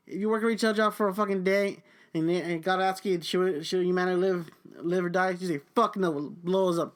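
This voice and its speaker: On his podcast, a young man with a high, fairly bright voice delivers an angry tirade about work. Heavy cursing runs through the whole ranting monologue.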